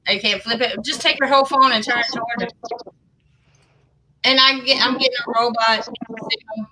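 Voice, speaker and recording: A woman hosts a casual livestream in a bright, forward voice pitched a bit high. She keeps the talk moving with quick, friendly questions and laughs readily. Her tone is easygoing and conversational. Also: fairly even intonation, rough recording. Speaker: livestream host. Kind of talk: casual chat.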